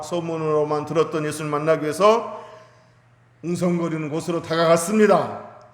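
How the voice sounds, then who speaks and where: A man preaching a Sunday sermon as pastor, retelling a Bible story with emphatic, rising delivery. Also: sits high. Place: church sanctuary. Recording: echoey church hall with long reverb.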